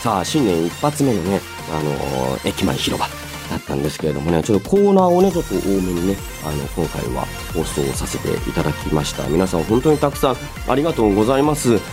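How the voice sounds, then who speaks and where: A man's voice: sits low, very animated, quick pace, music in the background. A man hosting a radio show, moving between casual chat and announcements in a polite, chatty way. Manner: polite, chatty, frequent soft "ne" tags. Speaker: radio show host and voice actor.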